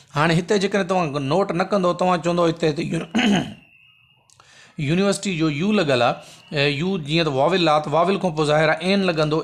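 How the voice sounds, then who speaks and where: A man teaching English grammar, explaining patiently and repeating points, reading example sentences slowly. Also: on the high side. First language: Sindhi. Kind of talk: recorded lesson explanation.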